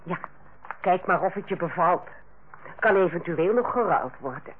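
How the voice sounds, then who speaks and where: An actress playing a proud, blunt, middle-aged head nurse with a curt, dry manner, in an old radio play. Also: female voice, fairly low pitch, lively intonation, normal speed, slight background noise, natural voice. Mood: brisk, friendly. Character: proud, blunt, sharp-tongued female head nurse, an aunt. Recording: dull old radio recording.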